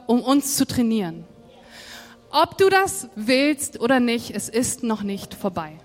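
Brief: high-pitched woman preacher, chatty sermon, long hall echo. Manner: conversational, addresses the congregation directly. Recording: long hall reverb, faint music.

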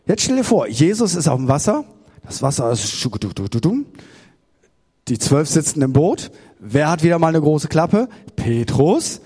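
A pastor from Germany preaching a sermon, retelling a story with lively acted-out voices. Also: male voice, a little high, moderate pace, husky. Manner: animated storytelling, acting out the disciples' voices. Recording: hall with long reverb.

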